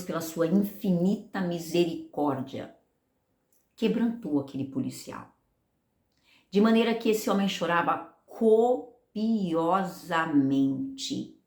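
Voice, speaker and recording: Animated woman pastor telling a testimony. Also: fairly low pitch, roomy sound. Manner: animated storytelling, acting out dialogue. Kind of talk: sermon testimony.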